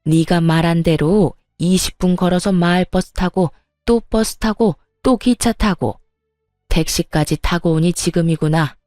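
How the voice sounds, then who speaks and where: A woman's voice: fairly low pitch, unhurried, dark tone, no room sound, studio quality, faint music behind, natural voice. A woman voicing a furious, spiteful older mother-in-law who berates and sneers, in a dramatized story reading. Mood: angry scolding.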